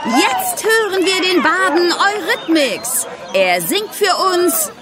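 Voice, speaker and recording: A showy, excitable contest announcer in a radio comedy. The voice is high and swooping, drawn out grandly over a very loud crowd. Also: female voice, takes it slowly, heavily acted. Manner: grandiose, declamatory. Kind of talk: comic radio play acting. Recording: loud crowd noise behind voice.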